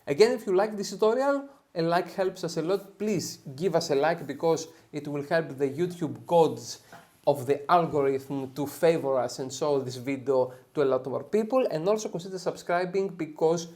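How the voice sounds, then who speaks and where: A man's voice: fairly high pitch, moderate pace, a little mellow. A man with a Greek accent, from Greece, hosting an upbeat photo editing tutorial and often checking in with "okay?". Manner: upbeat, tags sentences with "okay?". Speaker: software tutorial host. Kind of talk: screen-share editing tutorial.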